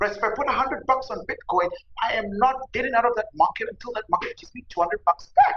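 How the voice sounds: A female-sounding put-on character voice, squeaky and high-pitched. It rattles along at a very fast pace.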